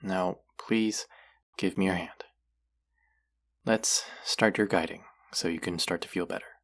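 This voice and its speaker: A voice actor playing a caring but gently stern clinic guide in a roleplay audio drama, soft-spoken and concerned, talking straight to a patient. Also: sits low, fairly even intonation, a little slow. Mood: soothing. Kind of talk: roleplay audio drama, speaking softly to the listener.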